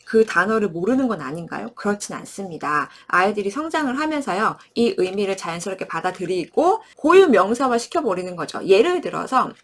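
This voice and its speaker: A woman's voice: mid-range voice, brisk, few pauses. A woman in her thirties giving a friendly parenting lesson, acting out words with gestures and sounds and often asking her listeners "right?". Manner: animated, acts out words with lively gestures and sounds. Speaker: early-childhood education presenter.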